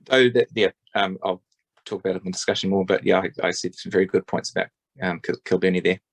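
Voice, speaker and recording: A man's voice: low-pitched, steady tone, quick pace, no echo. A man giving a rambling, hesitant spoken submission at a public forum, with many ums and restarts. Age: adult parent.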